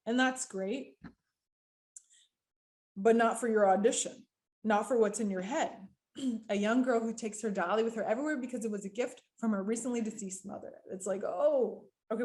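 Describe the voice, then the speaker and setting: A woman who works as an animator and voice-over coach teaches a virtual workshop. She talks in quick, lively bursts with frequent fillers and speaks directly to her audience. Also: a little high. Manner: addresses the audience directly and often.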